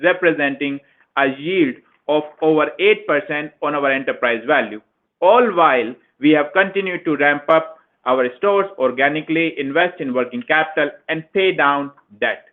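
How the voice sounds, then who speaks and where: A man's voice: on the high side, moderate pace. A man, a finance executive, formally reading scripted remarks on an earnings conference call. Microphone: conference call phone line. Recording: tinny narrowband phone line.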